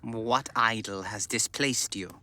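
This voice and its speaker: A man's voice: lowish voice, slow, bright, forceful tone, heavily acted. A man playing a proud, defensive, money-driven young suitor in an audio drama, speaking formally and argumentatively.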